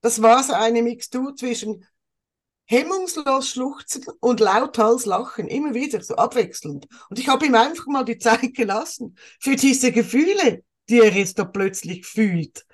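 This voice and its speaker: A woman's voice: on the high side, animated, a little slow. A woman, a podcast co-host and coach, telling a story with emphasis in a casual chat.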